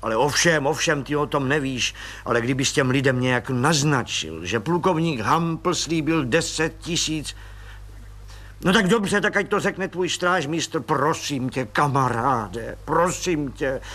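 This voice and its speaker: A man doing an excitable, fussy old colonel. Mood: pleading. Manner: pleading, then booming and effusive.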